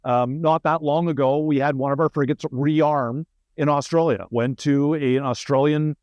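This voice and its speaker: A man's voice: a little high, fairly even intonation, normal speed, no echo, muffled recording. A middle-aged man with a Canadian accent talks informally as an interview guest, explaining through anecdotes and wry asides. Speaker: senior military officer, interview guest.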